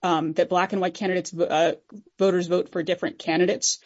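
Low-voiced woman lawyer arguing in court. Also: little pitch movement, fairly quick, breathy edge, lo-fi sound. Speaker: appellate lawyer. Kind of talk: formal oral argument.

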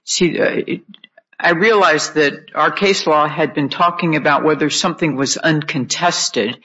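A man questions counsel from the bench as a judge, halting and deliberate. His voice is fairly high and sharply bright. The sound is dull and lo-fi. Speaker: appellate judge. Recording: dull lo-fi courtroom audio.

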